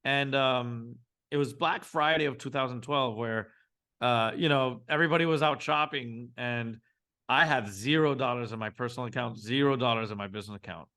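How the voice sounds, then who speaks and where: A man, telling his business story as a guest in a casual interview, animated and often restarting his sentences. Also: medium pitch, normal speed. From Venezuela. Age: 40s. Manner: animated, frequent restarts, acts out his own thoughts. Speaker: guest entrepreneur.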